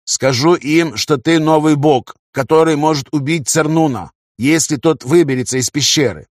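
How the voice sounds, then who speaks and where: A man's voice: on the high side, normal speed, dry recording, studio quality, voice pushed up, natural voice. A man voicing a terse, grumbling and earnest tribal girl in a fantasy audiobook, speaking in blunt statements. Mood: matter-of-fact. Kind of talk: audiobook character dialogue.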